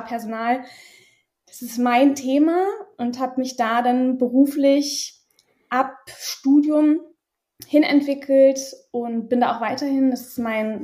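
This high, dark-toned voice belongs to a Berlin woman in her thirties who grew up speaking both German and French. Interviewed about her life, she talks openly but haltingly, with frequent fillers.

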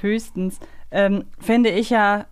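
A woman's voice: medium pitch, fairly even intonation, slow, clean tone. A woman hosting a podcast in casual conversation, playful and teasing as she talks. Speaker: podcast host. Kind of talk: casual chat.

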